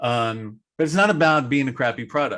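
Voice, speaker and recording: Talking at a fairly quick pace with ordinary pitch variation, a man has a plain, everyday voice. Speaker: accessibility expert, meetup presenter. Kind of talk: presentation. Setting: virtual meetup. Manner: casual, with many fillers and restarts.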